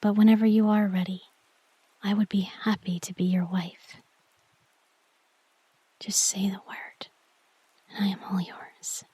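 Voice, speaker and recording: A woman playing a shy, tender young girlfriend in an intimate romantic sleep-aid roleplay, speaking softly and breathily, often near a whisper, with gentle hesitancy. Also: mid-range voice, flat delivery, measured pace, pauses often, husky. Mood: loving, vulnerable. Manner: gentle, hesitant, intimate address to one listener.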